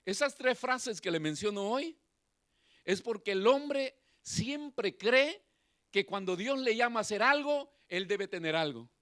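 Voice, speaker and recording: Middle-aged guy preaching, really high voice, swings loud then hushed. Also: animated, unhurried. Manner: impassioned preaching, swings between loud and quiet. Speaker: pastor. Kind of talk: sermon.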